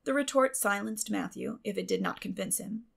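A woman's voice: mid-range voice, normal speed, vocal fry, slightly rough. A woman reading a classic novel aloud as scripted audiobook narration.

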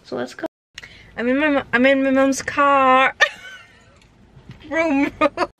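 A woman's voice: high voice, little pitch movement, moderate pace, bright, forceful tone. Chatty teenage girl vlogging. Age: late teens. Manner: chatty, frequent "like", candid about her feelings. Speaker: vlogger, high school senior. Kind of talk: casual vlog chat.

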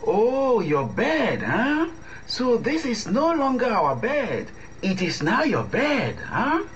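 Animated, indignant boyfriend. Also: male voice, extremely high pitch, slow, lo-fi sound, slight background noise, full character voice. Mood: sarcastic. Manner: indignant, sarcastic. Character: defensive, sarcastic young boyfriend, stubborn and argumentative. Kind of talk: radio drama acting.

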